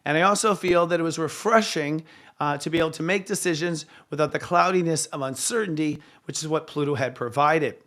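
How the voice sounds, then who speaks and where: Hoarse, chatty male astrology host. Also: a little high, brisk, a bit bright. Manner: chatty, with frequent fillers and self-corrections. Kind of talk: live astrology show talk.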